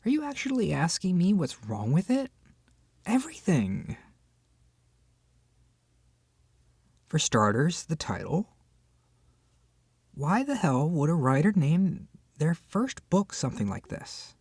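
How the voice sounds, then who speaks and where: A voice actor playing an irritated book club member ranting in a one-sided roleplay, exasperated and sarcastic with dramatic pauses. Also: mid-range voice, huge pitch swings, darkish tone, husky, no echo, studio quality, exaggerated voice. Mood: exasperated disbelief.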